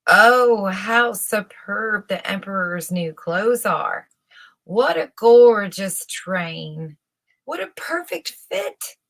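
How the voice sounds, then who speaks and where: A woman's voice: medium pitch, lively intonation, very slow, vocal fry, fairly bright tone, voice pushed up, exaggerated voice. A woman voicing sycophantic courtiers and townsfolk in a storybook, gushing with exaggerated admiration. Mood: awed, gushing.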